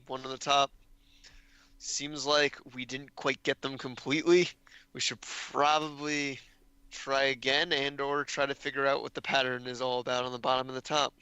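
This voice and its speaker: Bright, clear-voiced man at the game table. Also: medium pitch, no room sound, poor audio. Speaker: player. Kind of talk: casual tabletop play.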